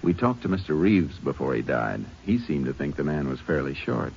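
A man acting as a calm, methodical Texas Ranger in a 1950s American radio drama, speaking in a measured, matter-of-fact way. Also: rumbling low, vocal fry, slight background noise, full character voice. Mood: calm probing. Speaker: lead actor and narrator. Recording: dull old radio recording, faint music.

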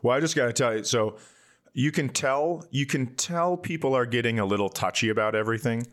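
A man's voice: medium pitch, animated, a little fast, a bit bright. A man who hosts a comedy podcast, telling casual, self-mocking stories and giggling through them. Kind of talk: casual comedic banter and storytelling.

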